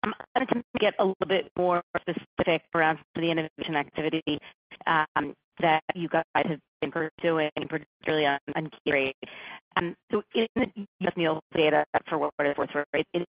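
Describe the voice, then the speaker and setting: A woman's voice: deep voice, moderate pace, dry recording. A woman calling in as an analyst on an earnings call, asking a polite, businesslike question while her phone connection breaks up. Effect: breaking up on a bad phone connection. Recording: dull, muffled phone line.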